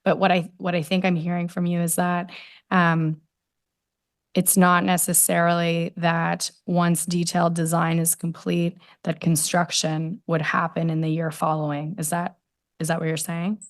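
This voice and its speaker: A woman city councillor with laryngitis, asking questions at a committee meeting in a hoarse voice with hesitant fillers. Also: on the low side, completely flat delivery, moderate pace, no room sound, studio quality.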